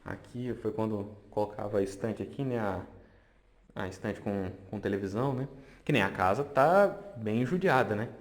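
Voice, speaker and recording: A man's voice: lowish voice, normal speed. A young man with a Brazilian Portuguese accent, telling family memories in a chatty way and often ending with a question tag while he walks through an old family house. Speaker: vlogger touring his grandparents' house. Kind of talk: casual nostalgic storytelling.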